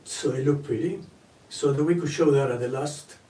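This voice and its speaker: A man's voice: mid-range voice, moderate pace, dark tone. An older man from Argentina, an actor telling stories in a casual interview, repeating phrases for emphasis. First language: Spanish. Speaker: actor guest. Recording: roomy, distant mic.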